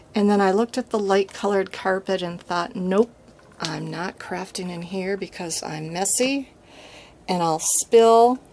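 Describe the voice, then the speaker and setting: A woman's ordinary speaking voice at a fairly slow pace, with big swings in loudness and ordinary pitch variation. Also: medium pitch for a woman. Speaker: craft video maker. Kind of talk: casual room tour. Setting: home craft room, handheld camera.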